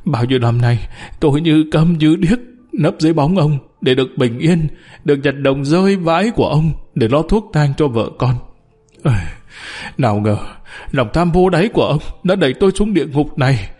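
Bitter underling turned accuser, read by a man; mid-pitched, scornful. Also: lively intonation, normal speed, darkish tone, lightly acted. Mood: sobbing. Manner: mocking, accusing, wailing. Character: bitter downtrodden male underling, scornful, sobbing.

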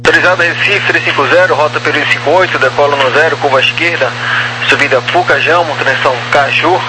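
A man's voice: on the high side, fast talker. A Brazilian man working as an air traffic controller, giving procedural instructions over aviation radio. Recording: noisy aviation radio transmission.

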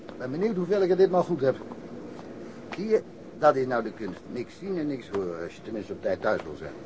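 A man's voice: medium pitch, expressive, a little fast, lo-fi sound, background noise, lightly acted. An actor in a Dutch radio drama playing a grumbling, work-shy veteran patrol policeman.

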